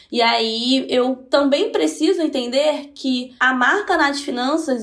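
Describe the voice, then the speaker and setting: A woman speaks in a high pitch. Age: 20s. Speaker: financial educator and content creator. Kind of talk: casual interview.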